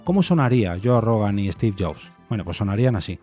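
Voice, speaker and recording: A man with a dark, relaxed voice thinks out loud on his podcast, circling his point with restarts and soft repeated no's. A faint music bed runs quietly under him. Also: on the low side, a little fast. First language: Spanish. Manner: thoughtful, hesitant, many restarts and repeated "no". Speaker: podcast host. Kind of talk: reflective solo opinion monologue.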